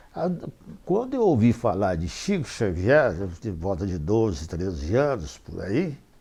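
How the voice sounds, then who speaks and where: Recorded with audible room echo, a man has a dark, mellow tone and a fairly low pitch. He speaks at a fairly slow pace with very wide pitch swings. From Brazil, southwestern Minas Gerais. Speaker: spiritist speaker recalling a medium. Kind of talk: testimony talk at an event. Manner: halting, with repetitions.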